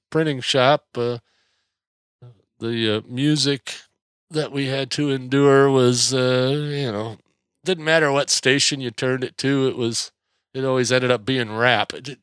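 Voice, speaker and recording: A man's voice: mid-range voice, fairly bright tone, clean tone, dry recording, clean studio sound. A middle-aged American man chatting casually on a solo podcast, rambling and hesitant in a folksy way, slightly nasal from mild congestion. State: mildly congested. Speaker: podcast host.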